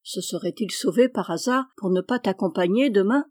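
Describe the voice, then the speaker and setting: A weary country aunt who grumbles and scolds about a stubborn nephew, as a woman reads her lines in an audiobook. The voice is mid-pitched and warm, with a mellow, relaxed tone. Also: normal speed, natural voice. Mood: exasperated. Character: scolding exasperated peasant aunt. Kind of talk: audiobook reading.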